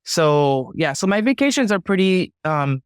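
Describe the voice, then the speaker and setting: A woman's voice: on the low side, sing-song, a little slow, smooth, dry recording, studio quality. A woman in her forties from Montreal whose first language is French, chatting casually and easily as a guest. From Montreal, Canada. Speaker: guest pilot. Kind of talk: casual interview chat.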